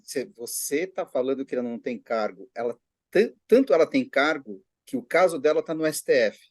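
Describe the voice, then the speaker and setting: A man's voice: mid-range voice, animated, a little fast, darkish tone, no room sound, studio quality. A man commenting on a panel in a matter-of-fact, corrective way. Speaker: economics commentator. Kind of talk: casual panel chat.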